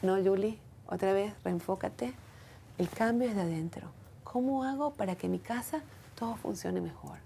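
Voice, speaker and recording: A woman's voice: mid-range voice, moderate pace, gravelly, dark tone, a little hiss or hum. A woman speaking earnestly and reflectively as a guest in a personal interview. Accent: foreign accent when speaking Hebrew. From from outside Israel.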